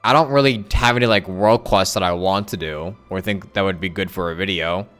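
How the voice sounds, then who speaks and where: Male streamer, low smooth voice, informal and rambling, talking to viewers over faint music. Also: fairly quick, a bit bright. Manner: rambling, thinking aloud, self-correcting. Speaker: live streamer and content creator. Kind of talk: casual livestream chat with viewers. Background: background music.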